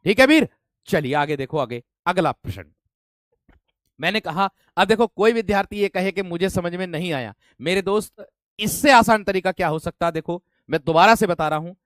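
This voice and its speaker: A man's voice: sits high, clear, resonant tone, dry recording, studio quality. A man teaching an online grammar class, explaining step by step and often calling his students friends and brave ones.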